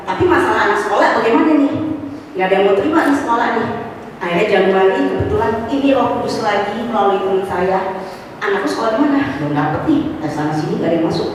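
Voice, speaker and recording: A middle-aged woman giving a personal testimony at a church fellowship, telling her story with lively exclamations and casual asides, with a slight cough. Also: mid-range voice, background noise. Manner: animated storytelling, rising to exclamations; mixes in casual slang and english words. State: has a cough. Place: church hall. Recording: echoey hall, voice from far off.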